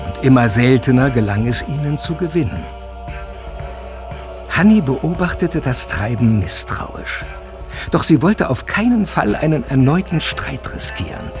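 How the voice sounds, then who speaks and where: A man narrating a radio play for young listeners in an even storytelling delivery. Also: medium pitch, a little slow. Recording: narration over music.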